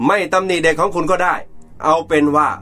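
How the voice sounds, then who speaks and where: A man's voice: on the high side, fairly even intonation, quick pace, bright, forceful tone, soft background music. An actor playing a middle-aged, arrogant rich businessman and father who scolds harshly and bosses everyone around. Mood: stern.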